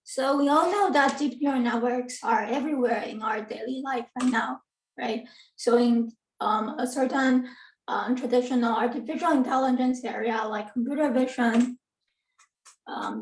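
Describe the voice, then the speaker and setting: A Taiwanese woman in her thirties, an assistant professor, gives an academic guest lecture over a video call. Her high, slightly mellow voice is earnest and full of ums and self-corrections, picked up by a computer mic at a distance in a roomy space.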